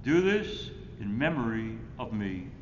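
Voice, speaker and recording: A man in his sixties, a Catholic priest reciting Mass prayers solemnly in measured phrases, recorded at the altar of a church. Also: big pitch swings. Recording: echoey church reverb, muffled, rumbling noise.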